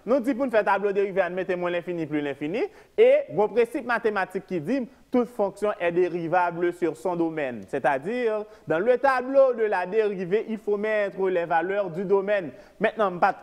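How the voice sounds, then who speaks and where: High-voiced Haitian math teacher. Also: male voice. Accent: Haitian Creole. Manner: repetitive, questioning the class, mixing French and Creole. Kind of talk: televised math lesson.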